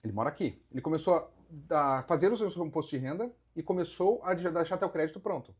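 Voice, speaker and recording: A man's voice: fairly high pitch, lively intonation, fast, slightly rough. A Brazilian man with a Brazilian Portuguese accent, a podcast guest who explains real estate investing with rhetorical questions. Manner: explanatory, counts through figures, asks rhetorical questions. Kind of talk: casual podcast conversation.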